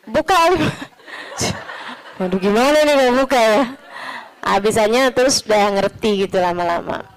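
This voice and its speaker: Chatty woman preacher, slightly high voice. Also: low-quality recording. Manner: chatty, teasing, addresses listeners as friends. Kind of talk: religious talk to an audience.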